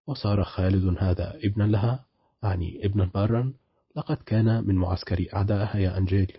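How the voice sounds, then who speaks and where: A man narrating an audiobook in a steady, measured reading. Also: sits low, husky, dry recording, dull audio.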